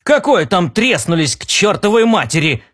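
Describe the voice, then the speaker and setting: A man's voice: sits high, very animated, measured pace, fairly bright tone, heavily acted. A man reading the part of a hot-tempered, stubborn earthman who barks and growls his lines. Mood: angry. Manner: barking, growling.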